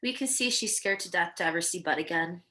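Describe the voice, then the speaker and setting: A woman's voice: on the low side, expressive, fast talker, sharp tone. A woman reading stage directions as scripted narration in a table read.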